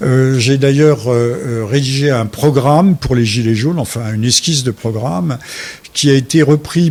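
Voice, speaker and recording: Noticeable background noise sits behind speech with ordinary pitch variation. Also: man. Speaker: essayist and journalist. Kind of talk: conference talk. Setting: conference room with live audience. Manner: halting, many repetitions.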